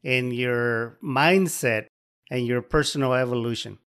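A man hosting an interview podcast, reading a formal scripted intro and then asking questions in a measured way. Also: medium pitch, fairly bright tone, clean tone. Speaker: podcast host.

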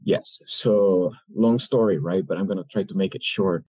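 Low-voiced man, dry close mic. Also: moderate pace, a little mellow, slightly rough, dry recording, rough recording. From El Salvador. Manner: thoughtful, with many fillers and restarts. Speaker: guest, business owner. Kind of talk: interview answers.

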